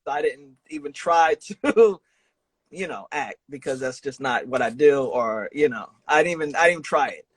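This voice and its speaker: A man hosting a casual interview, talking informally with slang and a halting, thinking-aloud delivery. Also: on the high side, animated, husky, no echo. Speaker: podcast host interviewing an audio drama creator.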